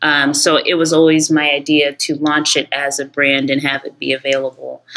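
In an American accent, a woman with a very deep, low pitch speaks in a bright, sharp tone with monotone, flat intonation. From US Midwest (Ohio), Nigerian family. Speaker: fashion designer. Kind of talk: interview. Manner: hesitant, many fillers.

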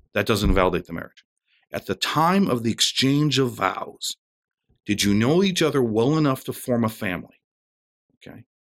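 On a very clean recording with a silent background, a man speaks at medium pitch and a moderate pace. His pitch swings very widely, and he takes long, frequent pauses. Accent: American. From US, northern Virginia (Fairfax County). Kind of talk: interview.

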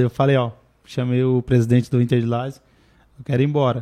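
Dark and mellow in tone, a man's voice sits at a medium pitch with fairly even intonation. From Santa Catarina, southern Brazil (Morro da Fumaça). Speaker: professional footballer. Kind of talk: casual interview. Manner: halting, many fillers.

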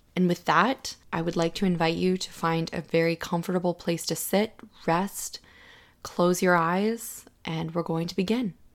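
The quiet voice keeps a calm tone and fairly even intonation on a very clean recording with a silent background. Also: woman, fairly low pitch for a woman. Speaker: podcast host and meditation guide. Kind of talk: guided meditation, slow second-person instructions to breathe and visualize. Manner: calm, serene, hushed delivery; slow, unhurried pacing with pauses for breathing.

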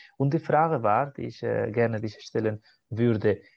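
A man speaks at a medium pitch with a non-native accent and ordinary pitch variation. The background is quiet. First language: not German (speaking German). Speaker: podcast host. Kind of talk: interview. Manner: halting, hesitant.

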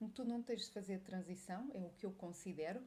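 This voice carries a European Portuguese accent and a dark, mellow tone. It is somewhat breathy, with lively intonation. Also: woman. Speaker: fashion stylist and coach. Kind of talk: live stream monologue. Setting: live video stream. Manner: casual, with fillers and repetitions.

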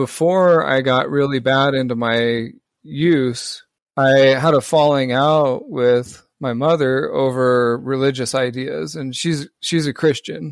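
A man at a very slow pace, with ordinary pitch variation. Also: medium pitch for a man. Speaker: recovery center alumni coordinator. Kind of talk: casual interview. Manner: calm, peaceful, measured.

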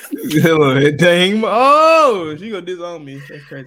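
A man's voice sits high and carries a bright, sharp tone. His pitch swings widely. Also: fairly slow pace.

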